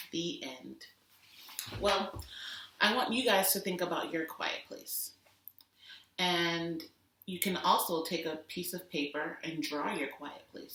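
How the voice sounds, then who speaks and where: A woman teacher giving an expressive storybook read-aloud for children, deliberate and with dramatic emphasis. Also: lowish voice. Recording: roomy echo, distant microphone.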